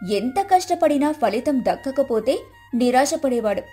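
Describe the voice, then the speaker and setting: High voiced lady narrating a moral story, bit of music behind. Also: animated, measured pace, mellow.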